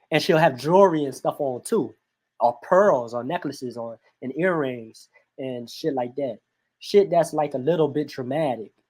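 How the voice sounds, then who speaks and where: A man with a New Orleans accent talks at a moderate pace and fairly high pitch. His pitch varies in an ordinary way over a very clean recording with a silent background. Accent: West Bank New Orleans. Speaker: reaction video commentator. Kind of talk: casual commentary. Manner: halting.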